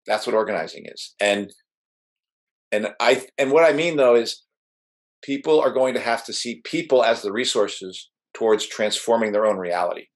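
A man's voice: lowish voice, moderate pace. A man co-hosting a casual chat, arguing his view earnestly with frequent restarts. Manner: earnest, argumentative, many restarts and "like". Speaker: podcast co-host.

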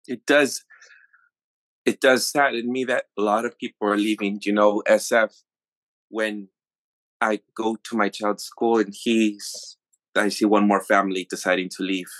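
A man's voice: on the low side, steady tone, a little slow, a bit bright, no room sound. A man hosting a podcast who tells stories in an earnest, reflective way. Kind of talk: casual podcast chat. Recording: dry close mic.

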